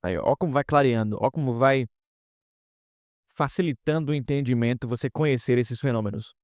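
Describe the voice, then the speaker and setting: A man's voice: medium pitch, fairly quick, darkish tone, dry recording, studio quality. Man teaching English in Portuguese. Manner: explanatory, repeats and checks in with "tá?". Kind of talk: casual online lesson.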